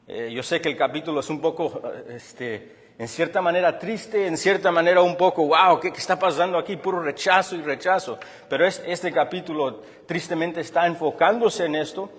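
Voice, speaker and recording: A man's voice: on the high side, fairly bright tone, long reverb tail. A man from Chicago preaching a sermon, explaining earnestly and often restarting his phrases. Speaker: pastor.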